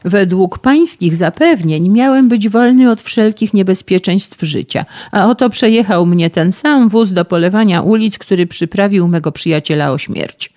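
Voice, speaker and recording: A man's voice: fairly high pitch, lively intonation, moderate pace, creaky, no echo, clean studio sound. A man voicing a frantic, indignant young man. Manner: shouting indignantly, complaining. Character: agitated young man, injured and frightened. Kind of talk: audiobook reading.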